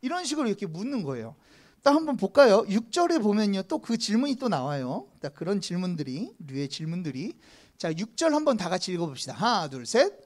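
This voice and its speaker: Animated, chatty youth preacher. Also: mid-range voice, a little fast. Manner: chatty, asks the students questions; leads group reading with a count-in. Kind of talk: casual sermon to teenagers. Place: church youth service.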